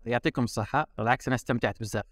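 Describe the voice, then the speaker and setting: A man's voice: mid-range voice, very fast, fairly bright tone, dry recording, clean studio sound. A man with an Algerian Arabic accent, a designer guest chatting casually on a podcast and mixing in English and French words. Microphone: remote call.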